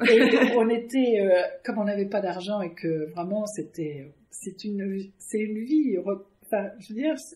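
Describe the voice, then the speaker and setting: A woman with a slight English-speaking accent speaks at a medium pitch. Her loudness swings widely. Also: fairly slow pace. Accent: slight Anglo-Saxon accent in French. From Canada (English-speaking), then France from childhood. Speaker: artist. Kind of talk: interview, life story. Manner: hesitant, many fillers.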